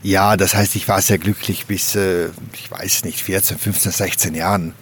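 A man from a mountain valley in South Tyrol, speaking outdoors in a slow, reflective way and often pausing to search for words. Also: low voice, steady tone, a bit bright, a little hiss or hum. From Gröden valley, South Tyrol, Italy. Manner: slow, thoughtful, searching for words with frequent hesitations. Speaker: interviewee. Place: outdoors on a mountain slope by a wooden hut.

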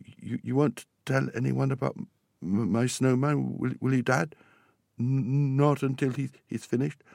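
A man's voice: medium pitch, fairly even intonation, unhurried, creaky, darkish tone, dry recording, studio quality, voice pushed up. A man reading a storybook as an earnest, proud young boy who stammers. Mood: anxious, pleading. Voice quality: stammering on words and sounds.

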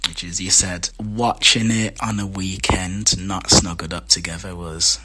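A man's voice: sits low, fairly even intonation, a little slow, bright, forceful tone, slightly rough. A man with a Jamaican accent hosting a podcast, bantering in a playful, teasing way. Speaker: podcast host. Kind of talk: casual flirty banter.

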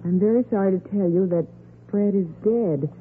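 Actress as sober detective's assistant, tinny old radio. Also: female voice, mid-range voice, moderate pace, close to an everyday voice. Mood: sober, sad. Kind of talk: 1940s radio acting, reading aloud. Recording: noisy, narrow-band 1940s radio recording.

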